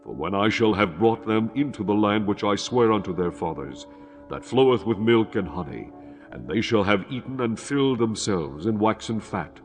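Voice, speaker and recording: Low-voiced man narrating scripture solemnly. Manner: formal, measured. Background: music.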